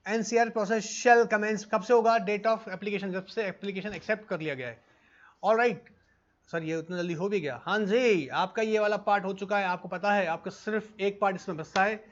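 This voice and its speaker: A man teaching an online exam-prep lecture, mixing Hindi and English, repeating points and asking the class if things are clear. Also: high voice, highs cut off. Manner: energetic, repeats points, asks students 'clear?'. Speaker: online tutor for CS and CA exams.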